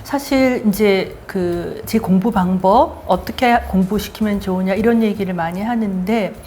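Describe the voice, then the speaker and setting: An older woman hosting her own show, telling her life story in a lively, self-mocking way. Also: medium pitch, normal speed, slight background noise. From Daegu, South Korea. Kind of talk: casual storytelling chat.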